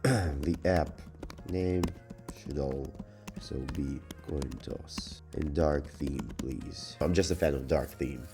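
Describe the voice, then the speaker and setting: A man's voice: a bass voice, slow pace, over music. A man giving casual, unscripted review commentary in a hesitant, rambling, sardonic way. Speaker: YouTube software reviewer.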